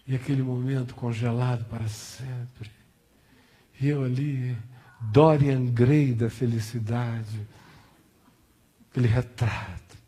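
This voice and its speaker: A man with a Brazilian accent playing a dreamy, sentimental romantic, speaking in a hushed, wistful, lingering way in a sermon sketch. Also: mid-range voice, husky, pitched below the performer's own voice. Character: dreamy, sentimental romantic imagining a frozen perfect moment.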